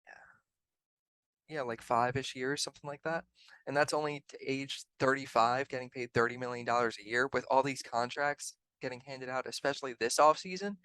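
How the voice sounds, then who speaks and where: A man's voice: mid-range voice, moderate pace, pushed and bright, clean tone, no room sound, rough recording. Chatty man breaking down sports deals. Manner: analytical, chatty. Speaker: podcast co-host. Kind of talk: casual sports chat.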